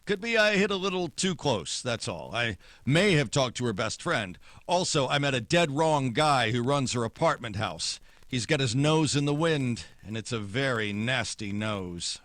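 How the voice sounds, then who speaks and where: An actor playing a hard-boiled, wry private detective with terse, sardonic wisecracks, in old-time radio noir style. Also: male voice, medium pitch, expressive, moderate pace, a bit bright, no echo, natural voice. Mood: brisk, wary.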